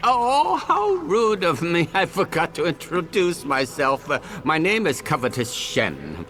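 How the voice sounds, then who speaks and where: A man's voice: on the high side, sing-song, measured pace, a bit bright, faint music behind. An actor playing an eccentric, cheerful old male jeweler in a video game, stammering and chuckling as he talks. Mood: chuckling, eager. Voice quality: giggly, stammering, fussy.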